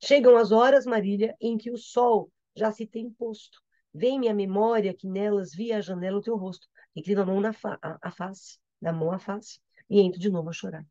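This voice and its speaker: A woman's voice: medium pitch, steady tone, normal speed, dark tone, no room sound, lo-fi sound. A woman teacher with a Brazilian accent reading a poem aloud and explaining it, often checking in with her listeners. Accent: Brazilian Portuguese. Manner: repetitive, checks understanding with "tá?". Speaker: literature teacher.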